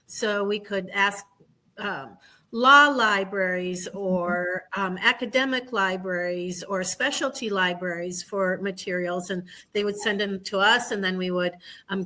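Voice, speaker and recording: Woman, bright clear tone, unhurried radio guest. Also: medium pitch. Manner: warm, measured, many fillers. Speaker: state senator and guest. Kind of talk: casual radio conversation.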